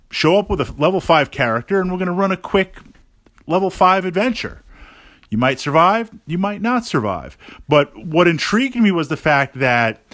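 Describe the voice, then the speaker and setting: A man giving a casual podcast monologue as a gaming host, thinking aloud haltingly and repeating words for emphasis. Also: on the high side, a bit bright, dry recording, clean studio sound.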